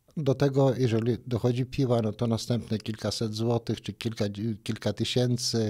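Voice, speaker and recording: At a moderate pace, a man speaks in a somewhat breathy, dark, mellow tone with monotone, flat intonation against a quiet background. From north-eastern Poland, Augustów Forest area; north-eastern Poland. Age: old. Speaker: amateur woodcarver; guest. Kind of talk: radio interview. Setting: studio. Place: studio. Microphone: studio mic.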